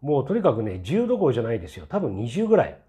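A man's voice: medium pitch, huge pitch swings, racing, dark tone. A man in his sixties hosting his own channel, giving a casual, rambling opinion commentary full of fillers, with a mildly skeptical, mocking edge. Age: 60s. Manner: chatty and rambling, many fillers and tag asides. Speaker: channel host.

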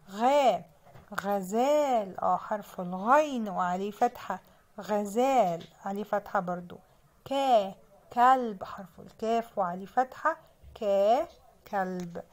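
A young woman with an Egyptian accent teaching children to read, sounding out letters and words slowly and patiently. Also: medium pitch. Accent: Egyptian Arabic. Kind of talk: children's reading lesson.

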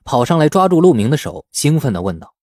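A man reading a novel aloud as scripted, expressive storytelling narration. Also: a little high, fast, dry recording, studio quality. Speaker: audiobook narrator.

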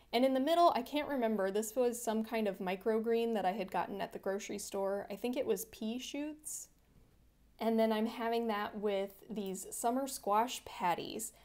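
A woman's voice: a little high, a little mellow. A woman hosting a home cooking channel, narrating her meals in a friendly, chatty voice-over that explains each step. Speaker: vegan cooking channel host.

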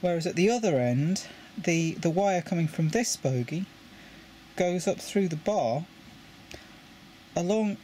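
In an animated, unhurried way, a British man explains his model railway coach lighting in a casual tutorial at an indoor table, often repeating words as he handles parts. His British English voice is high but dark in tone, with slight background noise.

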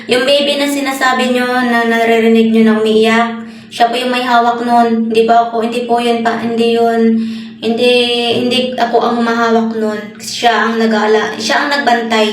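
Soft-spoken Filipina nanny in echoey room. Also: female voice, on the high side. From Philippines. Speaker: overseas nanny. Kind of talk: personal account to camera. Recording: echoey room with faint noise.

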